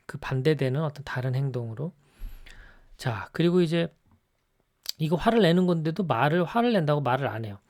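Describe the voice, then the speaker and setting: A man giving an explanatory lecture on personality types in a conversational way, often checking in with the listener with a quick rising tag. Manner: acts out scolding examples in a louder, higher voice.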